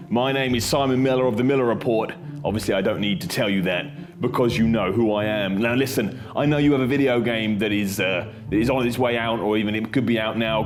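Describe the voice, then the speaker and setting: A man leaving a pompous, demanding voicemail in a comic sketch. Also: on the low side. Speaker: comedy show host.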